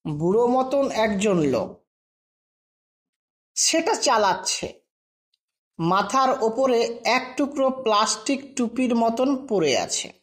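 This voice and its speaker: A woman narrating a scripted first-person short story in a measured, dramatic reading with pauses. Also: on the high side.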